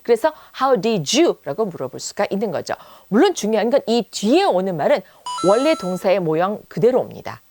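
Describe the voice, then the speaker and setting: A woman teaching an English lesson on video, drawing out her example sentences slowly and voicing them with admiration. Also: medium pitch, sing-song, music in the background.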